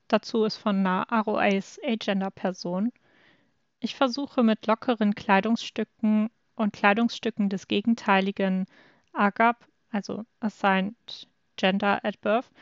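A woman's voice: mid-range voice, gravelly, no room sound. Enthusiastic woman on a dull mic. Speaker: podcast co-host. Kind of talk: casual podcast chat. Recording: dull lo-fi microphone.

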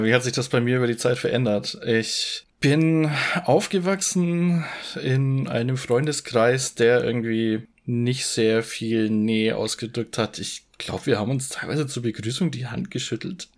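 A man in his forties co-hosting a podcast, talking in a reflective, casual way with frequent fillers. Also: medium pitch. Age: 40s. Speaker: podcast host.

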